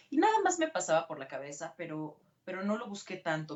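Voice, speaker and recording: A woman speaking at a moderate pace. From Mexico. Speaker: voice actress. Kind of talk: interview.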